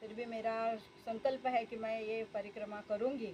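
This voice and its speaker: Over noticeable background noise, a woman speaks at a fairly high pitch with monotone, flat intonation. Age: 60s. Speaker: pilgrim. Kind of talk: testimony.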